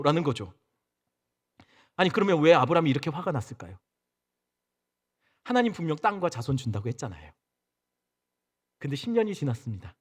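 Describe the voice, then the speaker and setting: A male senior pastor preaching a Sunday sermon in a church sanctuary, talking conversationally and asking the congregation questions. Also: mid-range voice. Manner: conversational, asks the congregation questions and acts out quotes.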